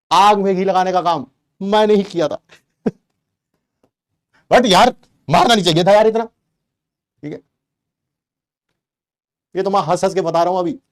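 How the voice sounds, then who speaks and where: A middle-aged man from Delhi, a teacher telling a comic personal story to his class with exaggerated flair and rhetorical questions. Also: sits high. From Delhi, India.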